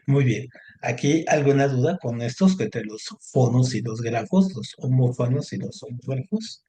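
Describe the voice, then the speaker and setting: A man's voice: medium pitch, lively intonation, moderate pace, mellow. A man teaches a lesson in an explanatory way. He keeps checking in with his listeners, with many short questions and fillers. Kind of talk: online class lesson.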